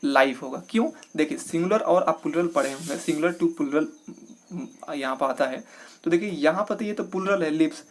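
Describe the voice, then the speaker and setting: A man's voice: fairly high pitch, moderate pace. A young man, an exam coaching teacher, explaining test questions one by one and asking and answering his own questions as he goes. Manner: walks through each answer step by step, asks and answers his own questions.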